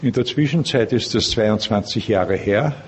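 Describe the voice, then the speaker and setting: Mature male meeting speaker, Austrian accent, measured careful delivery of personal testimony, light background noise. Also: lowish voice. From Linz, Austria. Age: middle-aged or older. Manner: measured, careful attempt at standard German. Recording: background noise, room ambience.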